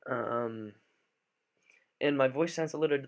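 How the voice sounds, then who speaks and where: Guy just woke up, little raspy, lots of uh and um while he plays and explains. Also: mid-range voice, takes it slowly. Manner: thinks aloud with frequent fillers and restarts. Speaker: gaming commentator. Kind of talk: live gameplay commentary.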